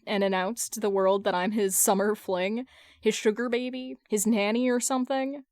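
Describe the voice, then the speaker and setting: A woman's voice: medium pitch, steady tone, moderate pace, darkish tone, no room sound, studio quality, close to an everyday voice. A woman voicing a hapless, exasperated grown man who gets defensive and flustered, in a fan fiction reading.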